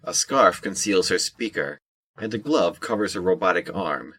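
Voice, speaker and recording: A man's voice: low-pitched, animated, moderate pace, sharp tone, slightly rough. A man reading scripted narration for an audio drama.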